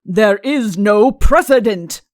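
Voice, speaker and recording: A woman's voice: medium pitch, lively intonation, slow, a little mellow, no room sound, studio quality. A woman voicing a vain, vengeful king in a comic audiobook, curt and haughty with heavy, cold emphasis. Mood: cold outrage. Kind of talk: audiobook comic character acting.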